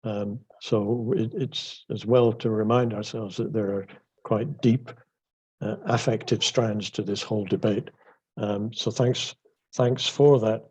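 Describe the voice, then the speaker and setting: A man moderating an online panel discussion, thanking and summarizing the speakers in a measured way. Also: lowish voice, steady tone, a little mellow, husky, rough recording.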